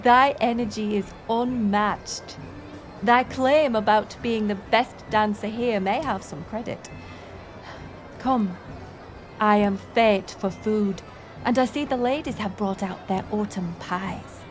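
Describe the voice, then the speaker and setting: A woman's voice: mid-range voice, soft background music, close to an everyday voice. A woman playing a playful, curious village woman in a romantic audio roleplay, speaking in archaic thee-and-thou English. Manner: archaic thee-and-thou speech, slow and musing. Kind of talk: romantic audio roleplay acting addressed to the listener.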